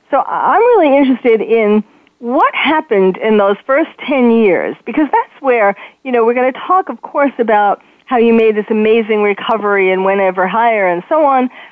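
An ordinary speaking voice from a woman, pitched fairly high, moving at a moderate speed with lively intonation. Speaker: psychiatrist radio host. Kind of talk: radio interview.

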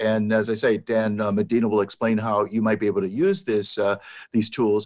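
A man with an American accent and an ordinary speaking voice, moderate pace and lively intonation, on a very clean recording with a silent background. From South Los Angeles. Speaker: financial advisor and radio show host. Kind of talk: radio talk show.

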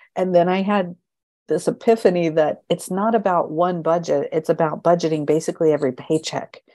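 A woman speaks with a dark, mellow tone at a fairly low pitch. Her pace is fairly quick, her pitch varies in an ordinary way, and the background is quiet. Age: 50s. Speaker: financial coach, former social worker. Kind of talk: interview.

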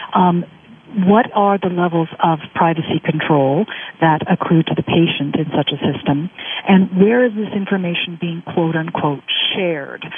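A woman's fairly low voice at a moderate pace with ordinary pitch variation, amid noticeable background noise. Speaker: lawyer and civil liberties advocate. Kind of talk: interview on talk radio.

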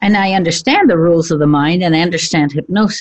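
Here is a woman with a plain, everyday voice and a fairly low pitch. She speaks at a moderate pace with ordinary pitch variation. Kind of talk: radio interview hosting. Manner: warm, chatty, upbeat.

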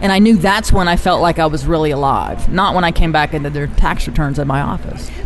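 With an American accent, a woman talks at a very fast pace with hardly any pauses, her very deep, low pitch showing ordinary variation against noticeable background noise. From US South, Greenville, South Carolina. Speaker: accountant and comedic speaker. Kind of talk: interview. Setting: conference venue.

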